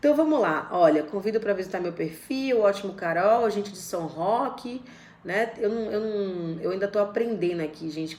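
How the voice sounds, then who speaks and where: Lively intonation carries speech at a moderate pace over noticeable background noise. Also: woman. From Bahia, Brazil (Salvador). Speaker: sales expert and business owner. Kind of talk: live stream talk. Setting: live stream on social media. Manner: casual, chatty.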